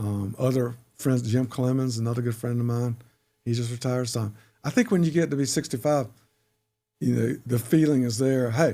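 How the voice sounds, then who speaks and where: A man's medium-pitched voice with a dark, mellow tone, fairly even intonation and long, frequent pauses, on a very clean recording against a silent background. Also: moderate pace. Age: 60s. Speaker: surf shop owner. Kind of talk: casual interview conversation.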